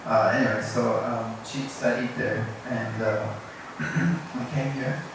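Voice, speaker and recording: A middle-aged man from South Africa speaks slowly and haltingly, telling an informal story about himself. He is self-deprecating and picks his way through each phrase. The recording is very echoey and distant, with clear background noise. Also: medium pitch, steady tone. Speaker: English teacher. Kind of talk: informal personal story to a group. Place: indoor room at a teachers' workshop. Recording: echoey room, distant mic, noisy.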